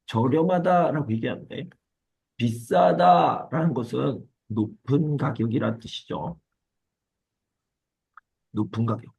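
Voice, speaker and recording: Husky gravelly male teacher. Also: mid-range voice, darkish tone, no room sound, lo-fi sound. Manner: explains step by step, repeats key words, asks check questions. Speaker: Korean language teacher. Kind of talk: exam prep lesson.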